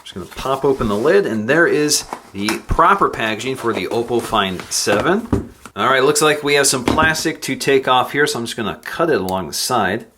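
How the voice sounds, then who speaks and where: Guy doing a phone unboxing, talks you through every step, calm and even. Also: mid-range voice, moderate pace, background noise. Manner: steady, explanatory, describes each step as he goes. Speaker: tech reviewer. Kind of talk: product unboxing walkthrough.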